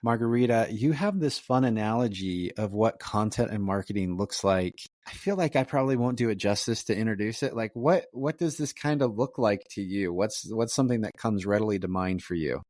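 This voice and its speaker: A man's voice: lowish voice, brisk, few pauses, darkish tone, dry recording, clean studio sound. A man hosting a podcast interview, upbeat and enthusiastic in how he talks. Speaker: podcast host.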